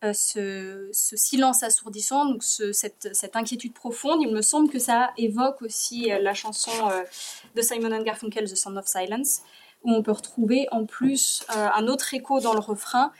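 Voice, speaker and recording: A woman giving a conference presentation with slides, explaining her analysis step by step and pausing often with filler sounds. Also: fairly high pitch, a little mellow, slight background noise. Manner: hesitant, many filler pauses.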